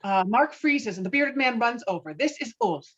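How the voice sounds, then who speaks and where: A woman's voice: a little high, lively intonation, normal speed, fairly bright tone. A woman narrating the stage directions of a screenplay in an online table read, with muffled lo-fi sound. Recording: muffled lo-fi video call audio.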